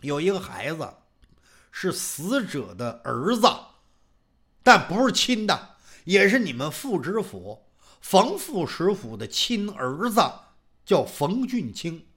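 Storyteller voicing an accused merchant; stammering, pleading, high and animated. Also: male voice, slow pace, exaggerated voice. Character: flustered wealthy young male merchant pleading innocence.

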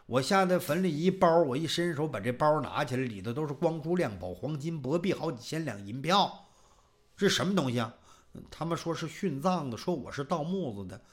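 A man's voice: on the high side, lively intonation, a little fast, voice pushed down, close to an everyday voice. A man voicing a flustered young merchant who stammers and pleads his innocence before a judge. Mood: pleading.

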